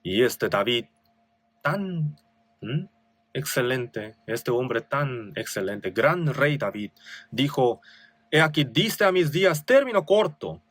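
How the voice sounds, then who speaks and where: A man's voice: mid-range voice, lively intonation, slow pace, fairly bright tone, no room sound. A male pastor with a Korean accent preaching a sermon, reading scripture with rising emphasis and asking rhetorical questions.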